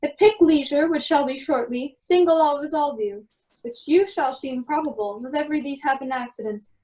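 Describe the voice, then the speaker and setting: A woman's voice: high-pitched, moderate pace, warm tone, close to an everyday voice. A woman playing a commanding, wronged duke and magician in a Shakespeare radio play. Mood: stately, reassuring. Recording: distant from the microphone.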